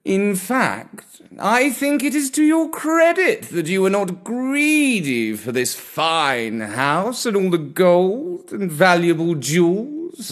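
A man reading a storybook who voices an elderly male cat, slow, stately and courteous. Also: sits high, voice pushed up, full character voice.

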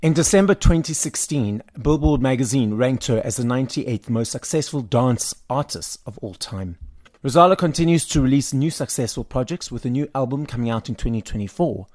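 A man's voice: medium pitch, lively intonation, moderate pace, darkish tone. A man hosting an entertainment interview show, reading a scripted intro and asking questions in an upbeat presenter manner. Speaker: interview host.

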